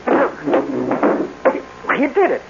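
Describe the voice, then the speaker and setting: An American actor playing a skeptical, easygoing boyfriend in a 1950s radio drama, talking in a colloquial, grumbling way. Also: male voice, slow, natural voice. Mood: skeptical, amazed. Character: skeptical, easygoing boyfriend giving a robot orders. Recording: muffled noisy old radio recording.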